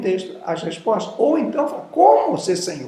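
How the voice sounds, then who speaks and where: A man with a high pitch talks at a moderate pace, his intonation lively. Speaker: bishop teaching homiletics. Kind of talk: lecture.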